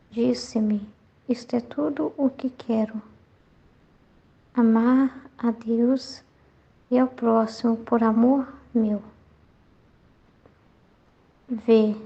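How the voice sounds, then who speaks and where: A woman slowly and reverently reading a devotional text aloud for a Catholic study group. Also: fairly high pitch. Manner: slow, even, reverent reading. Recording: dull lo-fi sound.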